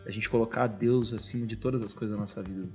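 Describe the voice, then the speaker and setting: A young man with a Brazilian accent shares a personal faith story as a guest. He talks at a rapid clip in a casual way and keeps dropping "cara" into his sentences. Faint music plays softly underneath. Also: on the low side, fairly even intonation. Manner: fast, fills speech with "cara". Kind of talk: casual testimony.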